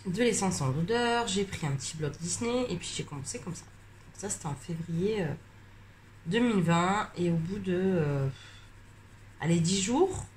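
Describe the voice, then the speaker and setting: A woman with a lowish voice talks casually at her desk as she colors. She sounds tired and a little stuffed up. Her talk rambles, full of hesitations and pauses. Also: a little hiss or hum. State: tired and slightly congested. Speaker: coloring vlogger. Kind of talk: casual chat while coloring on camera.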